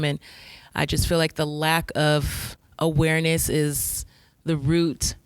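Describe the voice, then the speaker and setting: Smooth, low-voiced woman social worker. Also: no echo. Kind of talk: casual panel chat.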